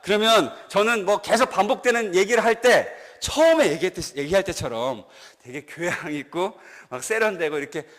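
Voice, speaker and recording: A man's voice: high voice, moderate pace, a bit bright, long reverb tail. A man who is a pastor, preaching a sermon in a church, telling a family story and putting questions to the congregation. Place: church sanctuary.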